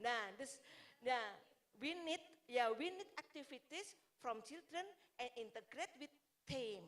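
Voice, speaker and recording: A woman with an Indonesian accent, high pitch, lively intonation, fairly slow pace and long, frequent pauses. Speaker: early childhood teacher. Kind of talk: webinar question. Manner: halting.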